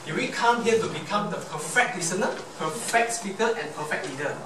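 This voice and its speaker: A man's voice: high voice, lively intonation. Earnest Malaysian-accented man, echoey and distant. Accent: Malaysian English. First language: Chinese. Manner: earnest, rhetorical questions, slow emphatic repeats. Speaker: club speaker. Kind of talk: motivational prepared speech. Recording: echoey room from far off, noisy.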